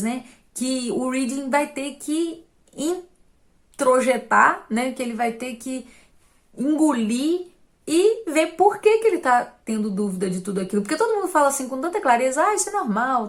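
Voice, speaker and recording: A woman hosts her own channel and talks through a book in a relaxed, chatty review. She speaks at a mid pitch for a woman and keeps checking in with the listener through tag questions and little fillers. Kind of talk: casual spoken book review.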